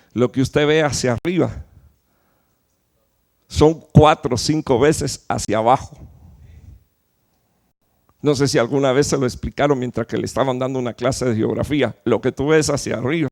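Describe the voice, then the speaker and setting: A man preaching a sermon to his church, emphatic, with rhetorical questions and sudden loud peaks followed by low, quiet drops. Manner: fillers and restarts while explaining. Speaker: pastor.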